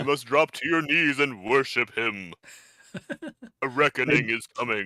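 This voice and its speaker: A booming put-on character voice at a moderate pace, broken by long, frequent pauses. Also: man, medium pitch for a man. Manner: menacing.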